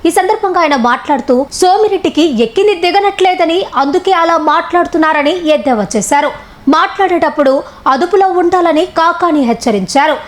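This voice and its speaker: A woman reads a local news report in a formal, even anchor's tone. Her voice is very high. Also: brisk. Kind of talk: scripted news reading.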